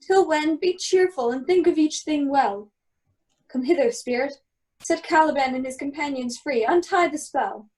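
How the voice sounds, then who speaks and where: A woman's voice: high-pitched, normal speed, a little mellow, close to an everyday voice. A woman playing a commanding, wronged duke and magician in a Shakespeare radio play. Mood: stately, reassuring. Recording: distant from the microphone.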